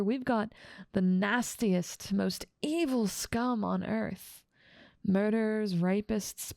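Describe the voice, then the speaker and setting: Lady doing a bossy demon queen for asmr roleplay, smug n teasing, bit of vocal fry, super dry close sound. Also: mid-range voice, darkish tone, dry recording. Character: dominant, teasing female demon ruler of hell. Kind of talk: ASMR roleplay audio drama.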